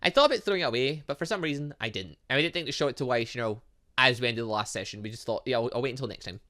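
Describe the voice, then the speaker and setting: A person giving casual let's play commentary on a game, rambling and thinking out loud as they go. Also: mid-range voice, very fast. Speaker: gaming video host.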